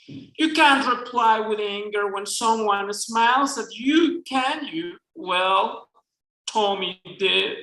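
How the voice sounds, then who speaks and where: A flamboyant gay Southern man, wry and unashamed, talks in a high, campy voice, as a Mexican-accented author puts him on at a reading. The attempted drawl rings out bright and forceful. The bookstore room adds an echo. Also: slow, full character voice. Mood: teasing. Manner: theatrical, campy read-aloud delivery. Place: bookstore event space. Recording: echoey room.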